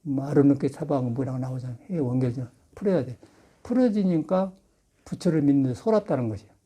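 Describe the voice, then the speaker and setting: An older Buddhist monk gives a folksy Sunday sermon in a temple dharma hall, chatting through anecdotes and laughter. His mid-range voice is mellow with a breathy edge, and he talks fast.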